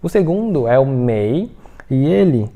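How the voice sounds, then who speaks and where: A man teaching a Mandarin lesson, explaining patiently, checking in with the listener often and saying example phrases slowly. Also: mid-range voice, sing-song, narrow, tinny audio. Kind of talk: online language lesson.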